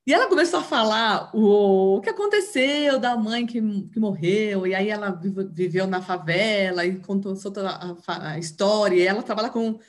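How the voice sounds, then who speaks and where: A woman's voice: mid-range voice, normal speed, hardly any pauses. A woman with a Brazilian Portuguese accent giving an informal teaching talk on family systems, often tagging her sentences with little questions. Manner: chatty, tags sentences with questions; acts out dialogue in raised voice.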